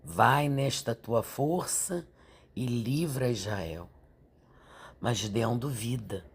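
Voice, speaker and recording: Lady teaching the bible, stuffy nasal voice from a cold, slow and kinda husky. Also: very deep voice. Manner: slow, gentle, prayerful delivery. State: congested, nasal from a sore throat. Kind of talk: Bible meditation and prayer.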